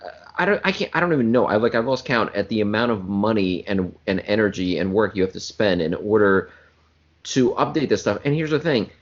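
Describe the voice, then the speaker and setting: A man on a podcast whose pitch swings all over as he rambles and jokes at his own expense. The casual chat has a dull, muffled sound. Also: lively intonation, a little fast. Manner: joking, rambling, self-mocking. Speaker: podcast co-host. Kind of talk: casual banter.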